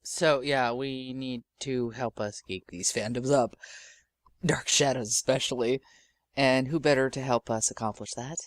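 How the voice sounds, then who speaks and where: Her voice is a rumbling low one with fairly even intonation, and she talks a little slowly over a faint hiss or hum. This podcast host and audio drama creator introduces her show in an effusive, theatrical storytelling style, doing acted voices for the people she quotes.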